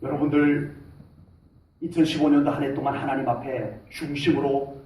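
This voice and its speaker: A middle-aged man preaching a sermon as pastor in a church, talking with lively gestures of voice and shouting out salutes as he acts out soldiers. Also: medium pitch, moderate pace, muffled recording. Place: church sanctuary. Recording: echoey hall, mic from a distance.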